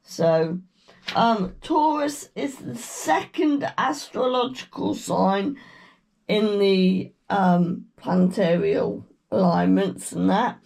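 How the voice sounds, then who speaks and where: A woman with a British accent, croaky from a cold, giving a slow, meandering tarot reading with murmured chants. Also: mid-range voice, a little mellow. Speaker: tarot reader. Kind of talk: casual tarot reading chat.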